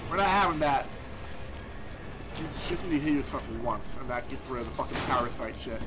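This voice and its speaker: A man's mid-range voice, expressive and fairly quick, carries his rambling let's play commentary on a horror game. He swears, speaks with a lisp, and often restarts what he's saying; there's background noise in the clip.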